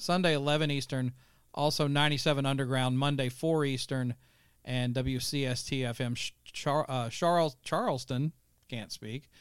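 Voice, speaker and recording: The recording is very clean, the background silent. At a moderate pace, a plain, everyday voice talks with fairly even intonation. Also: man, fairly high pitch for a man. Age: 40s. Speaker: podcast co-host. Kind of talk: casual interview.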